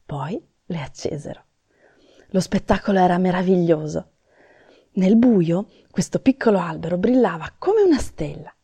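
A woman narrating a children's fairy tale in a calm, gentle storybook manner. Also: fairly low pitch, moderate pace, slightly rough, no room sound.

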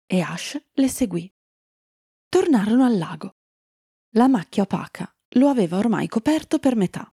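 A woman narrating a fairy tale for children, telling it in a calm storytelling manner and greeting young listeners at the end. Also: fairly high pitch, normal speed, husky, no echo, studio quality.

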